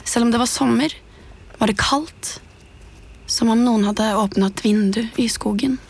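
Hushed woman telling a horror story. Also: fairly high pitch, creaky, a little hiss or hum. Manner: hushed, suspenseful, often dropping to a whisper. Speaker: podcast narrator. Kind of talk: scripted horror story narration. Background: music.

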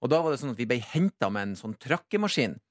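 A man's voice: mid-range voice, very animated, dry recording, clean studio sound. A man hosting morning radio, telling a story with lots of life and acting out sounds and his own thoughts. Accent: Norwegian. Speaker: radio show host.

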